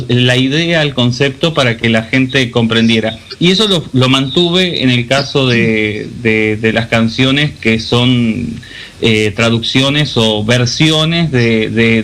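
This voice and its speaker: A man's voice: medium pitch, takes it slowly. Easygoing man rambling on radio. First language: Spanish. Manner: rambling, many restarts and fillers, relaxed. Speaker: musician guest. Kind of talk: radio interview answer.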